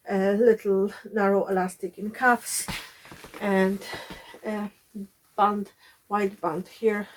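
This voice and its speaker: A woman's voice: medium pitch, darkish tone, poor audio. A woman vlogging about sewing from her cottage home, chatty with frequent fillers, her voice a bit chesty while recovering from illness. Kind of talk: casual sewing vlog.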